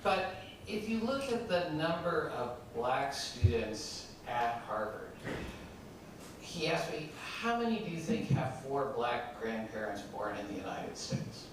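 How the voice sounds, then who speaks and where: A middle-aged or older man posing a long, discursive academic question from the audience in a deliberate way. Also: mid-range voice, lively intonation. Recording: very echoey room, distant mic, noisy.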